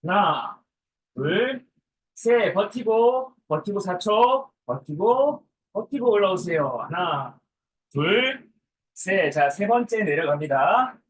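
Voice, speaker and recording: A man's voice: high-pitched, big pitch swings, slow pace, far from the mic, poor audio. A man leading a live workout as a fitness coach, counting reps and giving short, repeated, commanding orders in a drill-like manner. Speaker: online group fitness coach.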